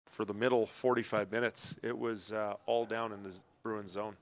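A man in his forties giving hockey analysis from a TV studio desk with a handheld mic. He talks in a relaxed way and explains plays with hockey terms. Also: fairly low pitch, normal speed. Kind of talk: sports post-game analysis.

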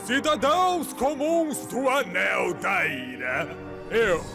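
Grand owl demon prince, really high voice, slow, ceremonial, cartoon. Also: male voice, vocal fry, heavily acted. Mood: grandiose. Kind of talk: cartoon fan-dub acting. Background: music.

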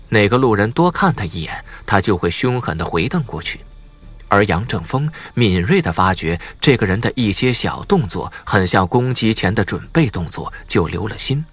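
A man's voice: on the low side, fairly bright tone, breathy edge. A man reading a suspense crime novel as a scripted audiobook narration.

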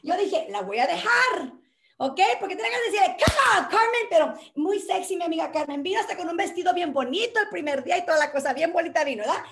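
A woman with a very high voice gives a motivational workshop from her home. She talks with lively energy, dropping English words into her Spanish as she coaches a group. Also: rapid-fire, few pauses, noisy background. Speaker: workshop host.

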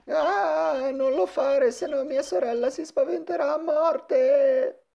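A woman's voice: sits high, slow, creaky, dark tone, a little hiss or hum, full character voice. A woman voicing a jumpy, frightened young schoolboy in a cartoon fandub. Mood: nervous.

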